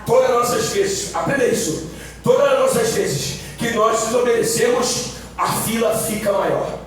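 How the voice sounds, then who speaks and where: Brief: high-pitched pastor shouting his sermon, heavy church echo. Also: moderate pace, recorded from a distance, a little hiss or hum. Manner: shouting, repetitive, exclamatory. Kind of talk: Pentecostal sermon. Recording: echoey church from afar.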